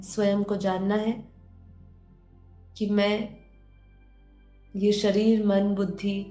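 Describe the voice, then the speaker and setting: A woman leading a guided meditation and spiritual teaching in a gentle, instructive manner, often repeating phrases. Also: medium pitch. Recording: roomy echo under background music. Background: music.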